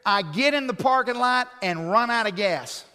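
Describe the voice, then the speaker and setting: A man preaching a sermon, telling stories in an animated, jokey way. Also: high-pitched, normal speed. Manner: animated, jokey anecdotal delivery. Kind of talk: humorous sermon storytelling. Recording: long reverb of a large hall.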